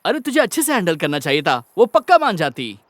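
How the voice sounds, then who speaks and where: A man's voice: high-pitched, huge pitch swings, fast, fairly bright tone, no echo, exaggerated voice. An actor dubbing a young man who lectures his friend about love. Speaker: friend in a dubbed film. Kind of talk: Hindi film dubbing.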